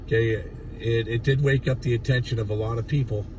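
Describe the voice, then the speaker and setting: Hoarse, raspy man ranting from his truck. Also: medium pitch, steady tone, brisk, recorded from a distance, background noise. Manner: blunt, profane, rambling. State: hoarse from yelling. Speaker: livestreamer at a protest. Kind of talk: casual ranting livestream. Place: inside a parked truck. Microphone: phone.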